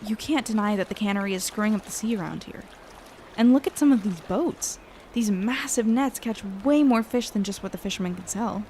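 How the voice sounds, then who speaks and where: A woman's voice: mid-range voice, fairly quick, a little mellow, slight background noise, close to an everyday voice. A woman playing a level-headed, conciliatory young negotiator in an audio drama, speaking earnestly and casually as she reasons. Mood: reasoning, firm.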